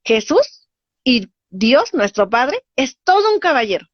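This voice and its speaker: A woman, a spiritual teacher explaining ideas in a lively way and acting out little dialogues. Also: sits high, measured pace, dry recording. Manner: animated, acts out voices in dialogue. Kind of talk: teaching talk. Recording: dull lo-fi dry sound.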